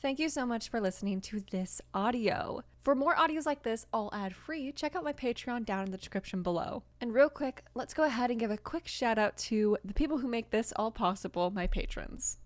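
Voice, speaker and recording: A woman in her twenties, an audio creator giving an upbeat outro with thanks and shout-outs to listeners. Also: on the high side, animated, a little fast, hardly any pauses, no echo. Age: 20s.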